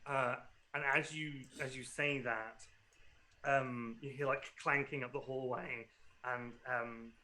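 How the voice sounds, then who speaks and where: A man narrating a tabletop game as its dungeon master. He talks casually, with many fillers, in a bright, clear-toned voice at an ordinary pitch for a man.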